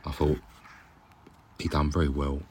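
A man's voice: very deep voice, a little slow, a little hiss or hum. A man leaving a casual, rambling voice message as a caller to a fan show. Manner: relaxed, chatty, hesitant with many ums. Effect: recorded voice message.

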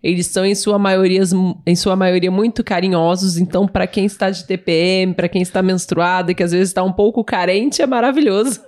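A woman co-hosts a casual podcast in Brazilian Portuguese accent. Her voice sits at an average female pitch. She talks in an informal, conversational way with a giggly streak. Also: fairly even intonation, brisk, few pauses, darkish tone. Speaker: podcast co-host, schoolteacher.

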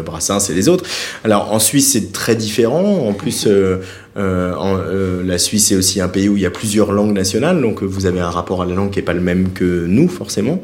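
A man from France interviewing a musician, asking long rambling questions with many fillers. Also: sits low. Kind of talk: radio interview.

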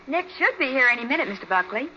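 A woman's voice: high-pitched, very animated, very fast, sharp tone, soft background music, exaggerated voice. An American woman playing a chirpy, helpful detective's secretary in a 1940s radio drama. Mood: bright, helpful. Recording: dull, noisy 1940s radio recording.

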